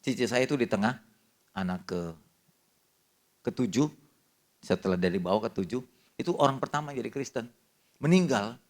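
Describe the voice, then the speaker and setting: An older man preaching a sermon as pastor, telling a family story in a lively way and mixing casual slang into it. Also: mid-range voice, moderate pace, long pauses.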